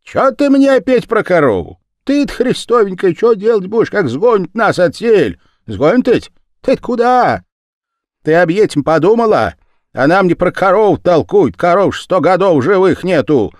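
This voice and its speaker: Storybook role: blunt old village woman, raised and sharp-tongued, voiced by a male reader, dry close sound. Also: high voice, big pitch swings, moderate pace, no echo, voice pushed up. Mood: scolding. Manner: scolding, blunt.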